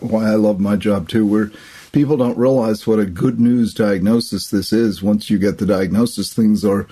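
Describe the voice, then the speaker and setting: Low husky-voiced male podcast host. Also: steady tone, moderate pace, mellow. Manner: affirming, frequent agreement, stammering restarts. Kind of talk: podcast interview.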